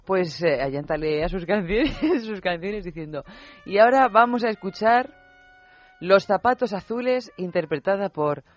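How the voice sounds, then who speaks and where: A woman's voice: medium pitch, expressive, a little slow, no echo, soft background music. A woman co-hosting a radio chat, telling jokey stories and laughing often. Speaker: radio co-host. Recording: dull lo-fi radio sound.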